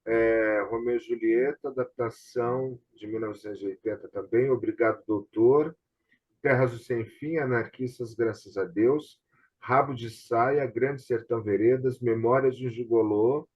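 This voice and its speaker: Husky Brazilian man on lo-fi audio. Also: mid-range voice, steady tone, moderate pace. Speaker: host. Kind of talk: conversational, reading out lists. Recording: dull, lo-fi online call audio.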